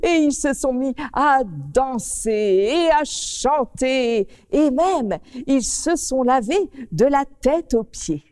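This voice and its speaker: Female children's storyteller: animated, unhurried, dry close sound with reverb tail. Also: high voice. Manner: expressive, animated.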